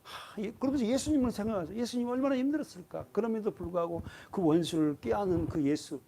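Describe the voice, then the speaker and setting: A man's voice: high voice, fast talker, mellow, slightly rough. A man pastor preaching a sermon in a church, emphatic and full of rhetorical questions to the congregation. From South Korea. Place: church sanctuary.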